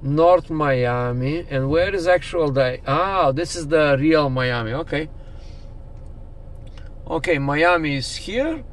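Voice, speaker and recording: A man's voice: fairly high pitch, slow. A man in his forties talking casually to his viewers while driving, pointing out houses and the map. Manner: chatty, addresses viewers as "people". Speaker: vlogger. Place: inside a moving car. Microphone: camera on the dashboard. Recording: car with road noise.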